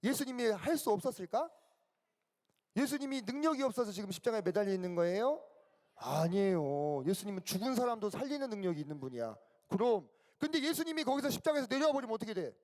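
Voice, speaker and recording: A man teaching a children's Bible camp sermon, telling the story with lively, questioning storytelling. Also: high-pitched, fast talker. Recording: echoey hall.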